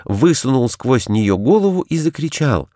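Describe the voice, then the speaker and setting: A man's voice: mid-range voice, big pitch swings, moderate pace, mellow, dry recording, clean studio sound. Man reading a storybook very expressively. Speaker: narrator.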